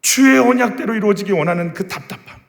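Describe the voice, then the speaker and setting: A man's voice: sits high, fast, gravelly. A male pastor preaching a sermon in a church sanctuary, emphatic and full of rhetorical questions to the congregation. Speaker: senior pastor. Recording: reverberant church hall.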